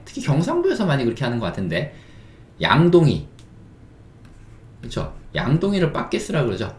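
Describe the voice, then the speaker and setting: A middle-aged man giving an English phonics lesson, drilling words slowly and patiently with questions and repetition. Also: mid-range voice. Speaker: English teacher. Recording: roomy echo.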